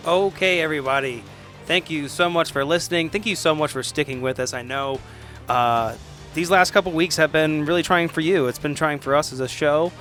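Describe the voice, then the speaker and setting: A man's voice: a little high, a little fast, a bit bright, soft background music. A man hosting a podcast, casually thanking and addressing listeners. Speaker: podcast host and player.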